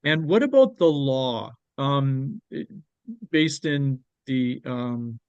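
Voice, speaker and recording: A man with a Canadian accent presenting on export markets, talking it through with a guest and pausing often on ums and restarts. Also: medium pitch, animated, a little mellow, smooth, dry recording, dull audio. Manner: hesitant, with many ums and restarts.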